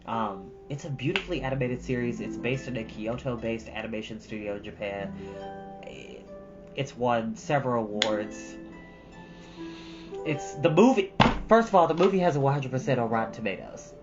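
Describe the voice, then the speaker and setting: A man's voice: mid-range voice, normal speed. A man hosting a stream, chatting casually and emphatically to his viewers in an informal, folksy way, often repeating himself for effect. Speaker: storytime stream host. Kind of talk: casual chat to live viewers. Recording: dull lo-fi audio, loud music.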